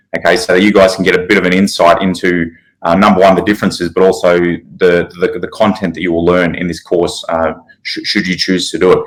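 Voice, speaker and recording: Here a man speaks with an Australian accent. His pitch is very deep and low, and his intonation is monotone and flat. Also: fairly quick pace. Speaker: sports dietitian. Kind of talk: online lecture. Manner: many fillers and repetitions.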